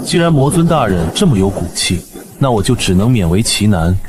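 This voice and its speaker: A smug young sword master from an animated series, with a somewhat low voice. He teases in a cool, unhurried manner, never raising his voice.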